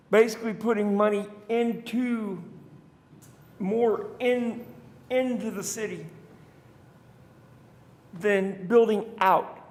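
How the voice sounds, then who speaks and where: A man speaks at a council podium microphone, his voice high and his delivery slow. He talks in a folksy, rambling way full of restarts. The council chamber lends a long reverb. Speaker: citizen speaker at council meeting. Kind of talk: public comment.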